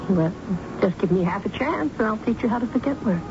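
A woman's voice: medium pitch, expressive, a little fast, natural voice. An actress playing a ruthless, ambitious woman in a 1970s radio drama, coaxing and cutting in manner. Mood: sweetly coaxing. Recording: dull, noisy 1970s radio broadcast.

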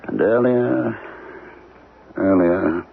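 A man acting an earnest, intense professor in a 1970s radio drama, speaking haltingly and repeating words. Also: deep voice, vocal fry, full character voice. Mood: brooding, searching. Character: earnest male professor gripped by resurfacing alien racial memories. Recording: muffled, noisy old radio broadcast.

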